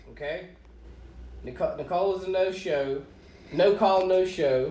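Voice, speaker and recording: With a Southern US accent, a man talks at a fairly slow pace in a high pitch, his tone dark and mellow, with ordinary pitch variation and audible room echo. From US South. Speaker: podcast host. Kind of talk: casual chat.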